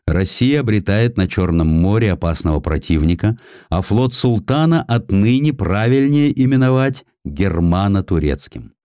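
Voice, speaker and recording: A man's voice: on the low side, lively intonation, moderate pace, warm tone, dry recording, clean studio sound, natural voice. A man voicing a stern Russian diplomat in a historical audiobook, speaking formally and pointedly. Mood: displeased. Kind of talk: dramatized audiobook.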